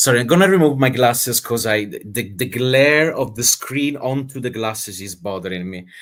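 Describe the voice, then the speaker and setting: The recording of this man is very clean with a silent background, and his loudness swings widely. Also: medium pitch for a man, lively intonation, moderate pace, hardly any pauses. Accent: Italian. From Italy. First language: Italian. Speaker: musician and ex-Jehovah's Witness. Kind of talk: interview. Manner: halting, many repeated words.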